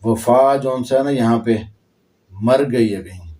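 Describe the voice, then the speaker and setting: A man tells history with earnest passion, now and then reaching for a proverb or a line of verse. His voice is mellow and dark. He sounds a little distant from the microphone. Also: mid-range voice, measured pace. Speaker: online commentator. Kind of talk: impassioned historical storytelling.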